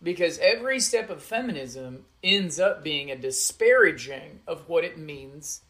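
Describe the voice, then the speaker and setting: A man's voice: on the high side, expressive, measured pace, a bit bright, poor audio. Joking man in his forties. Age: 40s. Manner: joking, teasing, with dry jokes. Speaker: podcast co-host. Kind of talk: casual chat.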